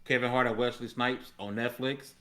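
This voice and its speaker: A man's voice: mid-range voice, steady tone, moderate pace, over a noisy crowd. A man co-hosting a gaming podcast, talking in casual, slangy banter. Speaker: podcast co-host.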